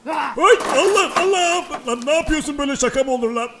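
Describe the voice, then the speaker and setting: A man plays a brash tomcat with a very high, squeaky voice. He swears and yelps at every surprise, and cartoonish music plays behind him. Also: expressive, fairly quick. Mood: outraged. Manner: cursing, jumpy, exclaiming. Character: brash foul-mouthed male house cat.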